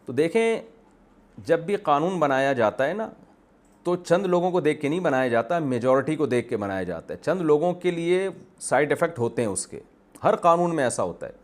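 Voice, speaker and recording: A man's voice: on the high side, big pitch swings. A man, a mufti, answering a question in a religious Q&A session, arguing his point with repeated examples and conversational asides. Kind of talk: religious Q&A talk.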